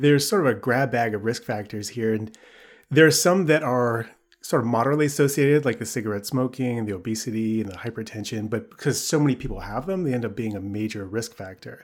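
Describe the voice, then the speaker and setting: Very fast, a man with an American accent speaks at medium pitch with ordinary pitch variation. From United States. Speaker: abdominal radiologist. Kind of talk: interview. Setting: video call.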